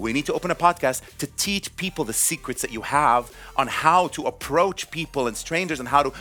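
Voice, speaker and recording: A young man from Lebanon with a low bass voice, chatting upbeat as a guest in a radio studio interview. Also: fast, pushed and bright. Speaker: radio guest, opera singer. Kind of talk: casual radio interview chat.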